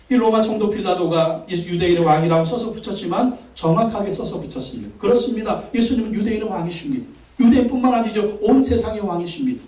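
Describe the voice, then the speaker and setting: A man's voice: sits high, dark tone, recorded from a distance. A male pastor preaching a Sunday sermon with emphasis, repeating his phrases and asking the congregation questions. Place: church sanctuary. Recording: echoey church hall, voice from off-mic.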